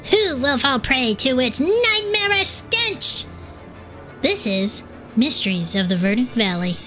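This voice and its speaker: A woman's voice: high voice, very animated, measured pace, pushed and bright, faint music behind. A woman co-hosting an audio drama, recapping the story in a dramatic, chatty style. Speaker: co-host and player.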